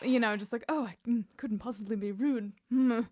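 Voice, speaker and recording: Woman co-host, fairly high voice, wry and conversational, recorded close and dry for a recap show. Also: normal speed, a little mellow, no room sound. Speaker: podcast co-host. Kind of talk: casual chat recapping a TV episode.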